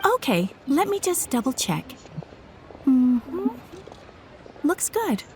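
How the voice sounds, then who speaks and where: High-voiced, courteous jewelry shop manager. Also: female voice, very animated, slow pace, darkish tone, a little hiss or hum, full character voice. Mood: courteous, earnest. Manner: courteous, earnest. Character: polite, professional young woman jewelry shop manager, earnest and eager. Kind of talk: video game voice acting.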